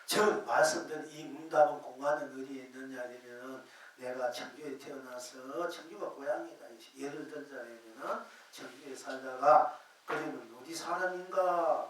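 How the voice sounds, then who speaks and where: A man gives a Buddhist dharma talk to a congregation. His voice sits a little high, and he explains slowly and repeats each point. He sounds distant from the mic, and his words ring through a very echoey hall. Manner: slow, repetitive explaining that addresses the congregation. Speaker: Zen master giving a dharma talk. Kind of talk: Buddhist sermon.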